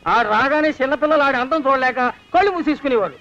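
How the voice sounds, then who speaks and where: A man's voice: very high-pitched, fast, sharp tone, exaggerated voice. An actor playing a cheeky village servant man who mocks his master in a sly, teasing way. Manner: sly, mocking. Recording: dull lo-fi film soundtrack.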